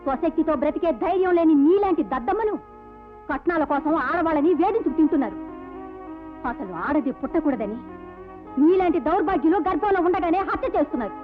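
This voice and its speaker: A woman's voice: very high-pitched, expressive, brisk. An actress playing a fierce, defiant woman in a film drama, denouncing a man with fiery speech. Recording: dull old film soundtrack with loud music.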